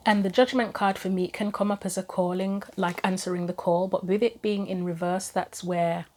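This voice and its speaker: With a darkish, low-side voice and a steady tone, she talks at a normal pace. She is a tarot reader giving an informal spoken reading on her own channel, thinking through possibilities out loud as her throat acts up and her voice starts to fade.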